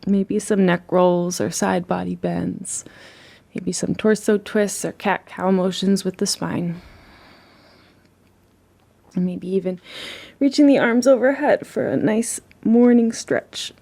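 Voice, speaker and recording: A woman leading a guided relaxation as a meditation teacher, speaking in a soothing, gentle and unhurried way. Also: medium pitch, steady tone, vocal fry.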